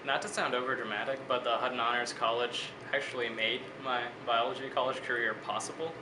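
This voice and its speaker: A man in his twenties from Bangladesh talks through his studies as an interviewee, thoughtful and well-spoken. His voice sits at an ordinary middle pitch. The room rings with echo, and an air conditioner hums clearly behind him. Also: fairly quick. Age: 20s. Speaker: interviewee, biology student. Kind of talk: casual interview answers. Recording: echoey room with steady air-conditioning hum.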